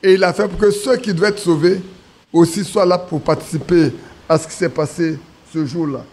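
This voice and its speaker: Male preacher, high-pitched, sermon storyteller. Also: fairly even intonation, moderate pace, a little mellow. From Ivory Coast. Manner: storytelling with acted quotes, restarts.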